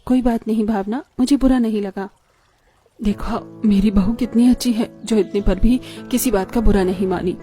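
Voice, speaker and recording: A woman voicing a kind, caring middle-aged mother-in-law in an animated story, speaking in a calm, motherly tone. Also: mid-range voice, moderate pace, soft background music, lightly acted.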